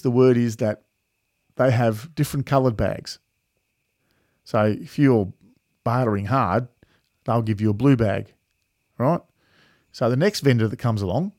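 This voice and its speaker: A laid-back Australian man with an average-pitched voice, recorded dry and close. He talks like a podcast host swapping anecdotes with a mate, blokey and freely sweary. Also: darkish tone, no echo. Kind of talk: casual chat, anecdotes.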